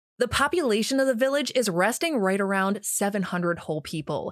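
A woman with an American accent speaks at a moderate pace and fairly high pitch, using very wide pitch swings. The very clean recording has a silent background and a dry, close sound with no echo. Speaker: true crime podcast host. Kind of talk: scripted narration.

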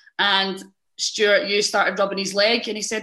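The speaker talks at a fairly quick pace with a Scottish accent. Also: woman. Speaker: radio presenter. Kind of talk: interview.

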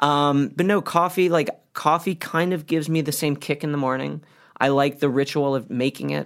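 A man with an American accent uses a normal speaking voice at a fairly high pitch and moderate pace. His intonation is fairly even, and the recording is very clean with a silent background. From US Northeast (New Jersey). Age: 30s. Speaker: artist and filmmaker. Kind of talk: casual chat.

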